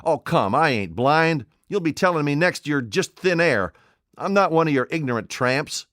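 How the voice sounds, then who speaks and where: A man voicing an excitable old English tramp who blusters and fumbles his words in an audiobook. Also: fairly high pitch, normal speed, dry recording, clean studio sound, voice pushed up. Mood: flustered. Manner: blustering, flustered, dialect-heavy. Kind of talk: audiobook character voice.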